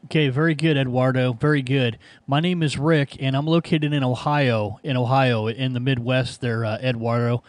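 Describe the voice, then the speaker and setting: A man's voice: mid-range voice, steady tone, normal speed, few pauses. A man with an American accent talking casually as an amateur radio operator, repeating key phrases. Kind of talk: ham radio contact, casual exchange. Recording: loud background noise and clicks.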